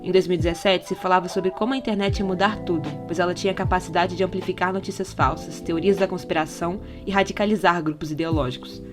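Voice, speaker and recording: A woman's voice: on the low side, steady tone, quick pace, few pauses. A Brazilian woman reading a scripted podcast essay in an explanatory manner, often posing rhetorical questions. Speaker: podcast narrator. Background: background music.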